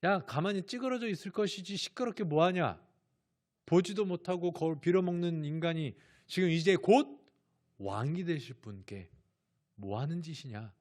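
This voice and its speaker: A man's voice: high-pitched, fairly quick, close to an everyday voice. A man voicing a scornful, scolding crowd. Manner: scolding, contemptuous. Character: scornful crowd of men hushing a beggar.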